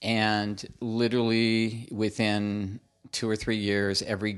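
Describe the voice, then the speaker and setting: A man talks with an American accent in a fairly low voice. The background is quiet. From US Mountain West, Denver. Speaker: nightclub owner. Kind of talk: casual interview chat.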